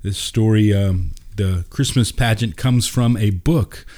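A man narrating as a podcast host and storyteller, with an earnest, unhurried delivery. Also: fairly low pitch, darkish tone. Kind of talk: scripted story narration and informal podcast sign-off.

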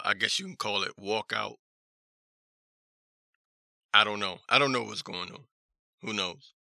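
Hoarse, gravelly man hosting talk. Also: fairly low pitch, pushed and bright, no room sound, clean studio sound. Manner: halting, repeats phrases, skeptical. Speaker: talk show host. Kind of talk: casual news commentary, reading articles aloud.

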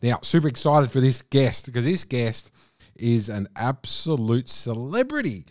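A man's voice: mid-range voice, big pitch swings, unhurried, a little mellow, no echo, studio quality. A man hosting a podcast, effusive and piling on superlatives as he introduces and questions his guest. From Australia. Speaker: podcast host. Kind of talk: enthusiastic podcast interview. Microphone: remote call.

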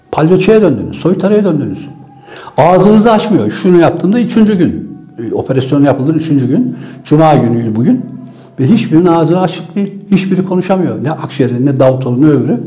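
A man's voice: a little high, dark tone. Fiery scornful male political commentator. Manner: fiery, scornful, rhetorical questions. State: weary. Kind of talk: impassioned political monologue.

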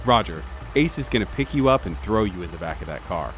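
A man's voice: deep voice, lively intonation, fast talker, slight background noise. A man narrating a tabletop horror game dramatically in the second person as game master.

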